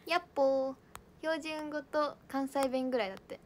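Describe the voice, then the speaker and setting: Young woman streaming from home, high voice, bubbly and giggly, bit of hiss. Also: fairly even intonation, normal speed. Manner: bubbly, giggly, reads viewer comments aloud. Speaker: idol livestream host. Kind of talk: casual livestream chat.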